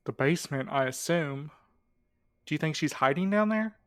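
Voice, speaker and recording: A cautious young man playing detective in an audio drama. The voice sits a bit high for a male, with a sardonic, exasperated and insistent edge. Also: lively intonation, moderate pace, fairly bright tone. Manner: wry, insistent.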